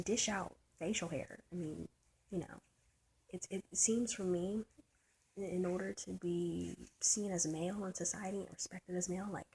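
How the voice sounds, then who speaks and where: A trans man with a soft, light voice, thinking aloud in a personal vlog, halting and searching, often trailing into a whisper. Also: high voice, gravelly, slight background noise, poor audio. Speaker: vlogger. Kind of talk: personal reflective vlog monologue.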